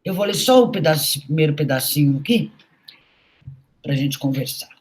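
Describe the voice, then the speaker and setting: A woman's voice: low-pitched, lively intonation, normal speed. A middle-aged woman, a university professor, giving a recorded lecture in an anecdotal, storytelling way with frequent conversational tags.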